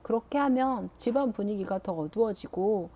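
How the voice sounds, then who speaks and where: A woman's voice: medium pitch, lively intonation, mellow, close to an everyday voice. A woman voicing an aggrieved teenage girl. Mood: resentful. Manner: slow, aggrieved complaining. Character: resentful teenage girl scolded alongside her sister.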